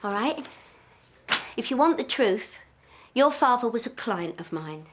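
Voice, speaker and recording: A chatty, frank woman caller with a lilt. Her pitch is a little high and very lively, moving up and down as she talks. She sounds friendly and blunt in a television drama scene. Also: measured pace. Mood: candid. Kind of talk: TV drama acting.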